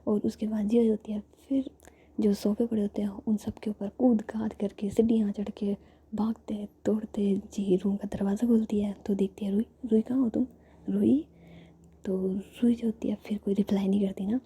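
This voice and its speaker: Breathy whispering woman storyteller. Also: mid-range voice, normal speed. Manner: soft whisper throughout, flat delivery.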